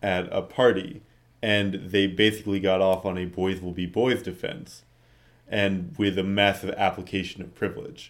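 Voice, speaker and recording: Here is a man with a plain, everyday voice and an American accent. He speaks at a moderate pace at a fairly low pitch, with ordinary pitch variation. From Oklahoma. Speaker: podcast co-host. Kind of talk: casual chat.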